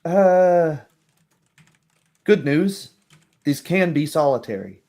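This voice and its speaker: A man's voice: a little high, lively intonation, slow pace, mellow, pitched above the performer's own voice. A man voicing an unperturbed, plain-spoken village woman in a tabletop roleplay, in a hesitant, matter-of-fact way.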